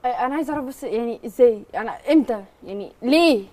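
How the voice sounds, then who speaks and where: A woman's voice: fairly high pitch, animated, rapid-fire, mellow. A young Egyptian woman on a TV studio set, insistently confronting her fiancé, repeating her demands and raising her voice. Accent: Egyptian Arabic. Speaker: fiancée on a prank show.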